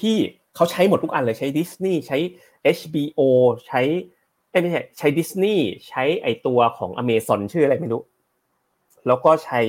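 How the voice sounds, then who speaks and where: A man hosting a casual live stream about stocks, chatting with viewers and explaining news headlines, slightly short of breath. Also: mid-range voice. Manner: chatty, rambling, reads headlines aloud and explains them. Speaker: host of a stock market live show.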